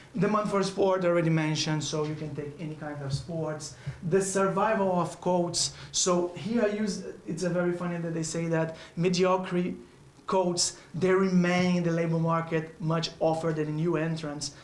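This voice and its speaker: A man talks at a moderate pace in a high pitch, his intonation fairly even. There is audible room echo. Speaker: university lecturer. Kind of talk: lecture.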